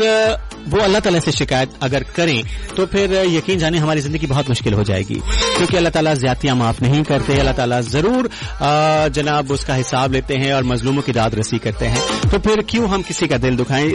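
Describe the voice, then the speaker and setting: A man hosting a radio call-in show, speaking courteously with formal address and slow, drawn-out hesitations. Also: on the high side. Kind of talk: radio call-in chat with moral advice.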